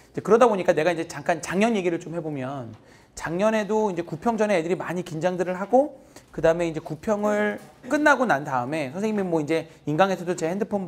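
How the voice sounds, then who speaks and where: Exam-prep math teacher, husky, conversational pep talk, lots of fillers. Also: mid-range voice. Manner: chatty and rambling, addresses students directly with many fillers; acts out students' panicked messages in quoted voices. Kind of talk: casual encouraging talk to students.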